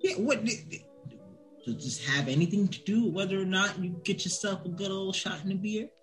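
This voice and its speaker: A man co-hosting a podcast in casual chat, joking and bantering in animated street slang. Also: high voice, fairly quick, soft background music, low-quality recording. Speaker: podcast co-host.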